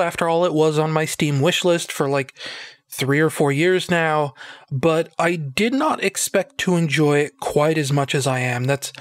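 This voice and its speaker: A man chatting through a solo podcast in a slightly higher register than most men, rambling with plenty of ums and likes. His throat sounds phlegmy and a little nasal. The recording is close and dry, with no room sound. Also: no room sound. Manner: rambling, filler-heavy, self-deprecating joking. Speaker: podcast host. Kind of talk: casual solo podcast chat.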